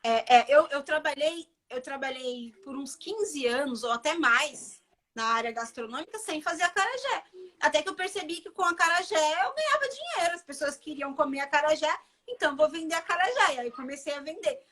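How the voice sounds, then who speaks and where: A woman's voice: sits high, expressive, a little fast, a bit bright. A Brazilian woman with a Bahian accent, a chef chatting casually as a guest and repeating phrases for emphasis. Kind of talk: casual live conversation.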